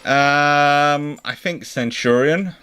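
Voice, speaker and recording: A man's voice: fairly high pitch, very slow, sharp tone, clear, resonant tone. A British man hosting a live question-and-answer chat, talking discursively and often rephrasing himself mid-sentence. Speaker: host.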